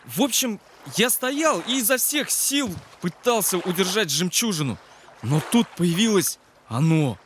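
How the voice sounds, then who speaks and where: A man voicing an adventurous, excitable and boastful young boy hero in a cartoon, with dramatic exclamatory delivery. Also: high-pitched, a little slow, a little hiss or hum. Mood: boastful, evasive. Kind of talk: animated fairy-tale adventure acting. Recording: music behind the voice.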